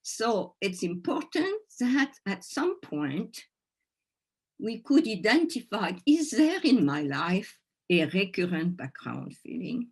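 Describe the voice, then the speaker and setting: A woman's voice: mid-range voice, sing-song, slow pace, a little mellow, slightly rough. A woman with a French accent, a native French speaker, gives an informal teaching talk to a group, searching for words in her second language. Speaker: workshop presenter.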